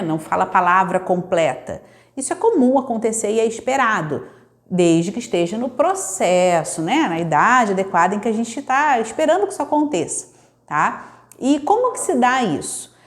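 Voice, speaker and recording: A woman speech therapist from Brazil explaining child speech development to parents, often checking in with tag questions and acting out little parent voices. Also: mid-range voice. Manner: acts out playful parent voices in quoted examples. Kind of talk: educational talk to parents.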